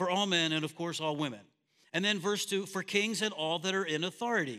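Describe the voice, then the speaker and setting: In a very clean recording with a silent background, a man uses a raised, projected voice that is bright and sharp in tone, high-pitched, with ordinary pitch variation. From US Northeast, New Jersey. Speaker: missionary pastor. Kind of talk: sermon. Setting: church. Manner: halting.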